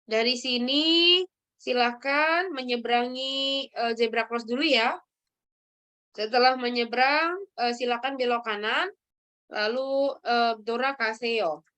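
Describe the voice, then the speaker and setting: A woman teaching a language lesson, ending phrases with quick check-ins to her students. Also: a little high, sharp tone. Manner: tags sentences with "ya" and calls on students.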